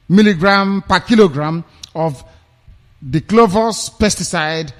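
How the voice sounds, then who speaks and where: A man's voice: fairly high pitch, a little mellow, in a large hall. A man with a Nigerian accent on a radio broadcast. He reads news items aloud and breaks off into scornful, mocking commentary full of rhetorical questions.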